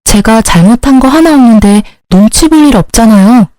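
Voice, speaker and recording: A woman's voice: fairly high pitch, lively intonation, moderate pace, dark tone, dry recording. A woman narrating a first-person family drama story in a matter-of-fact, confiding way.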